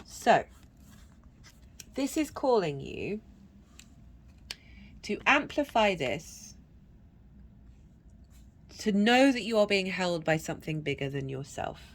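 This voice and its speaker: Sing-song and slow, with long pauses, this mid-range female voice belongs to a tarot reader channelling a reading while she has a cold. Her talk is sincere and wandering, broken by restarts and chanting.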